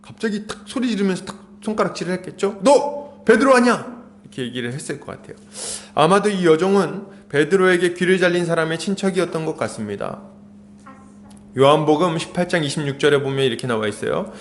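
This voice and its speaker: A man's voice: a little high, fast. A male pastor preaching a sermon, retelling a story vividly and acting out its scenes. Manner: lively storytelling, acts out scenes and quotes.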